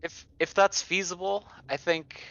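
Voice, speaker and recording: A man's voice: high voice, level tone, unhurried, bright, forceful tone, no room sound. A man taking part in a tabletop game as a player, talking casually on a slightly dull microphone.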